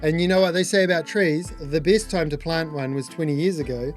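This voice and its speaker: A man with a New Zealand accent talks through his building project in a relaxed, jokey way. His voice sits fairly high for a man, with a music bed running clearly underneath. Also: a little fast. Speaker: builder and vlog host. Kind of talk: casual vlog chat.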